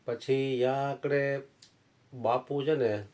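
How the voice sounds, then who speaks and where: A man's voice: mid-range voice, steady tone, takes it slowly, a little mellow. Brief: male preacher, mid-range voice, telling homely anecdotes in a sermon. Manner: folksy anecdotal storytelling. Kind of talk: satsang sermon storytelling.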